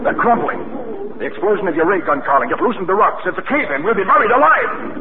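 Urgent doctor for radio sci-fi: high-pitched, swooping, exclamatory delivery on a noisy vintage recording. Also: male voice, sing-song, quick pace, phone-quality sound. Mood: urgent alarm. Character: urgent, excitable male doctor in peril. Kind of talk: 1950s radio drama acting.

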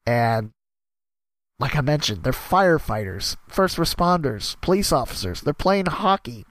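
In his casual solo podcast, a sports announcer and host hops from topic to topic, rambling and poking fun at himself with a cough-worn voice. He sounds a little high, very animated, a bit bright, and a little slow, recorded dry.

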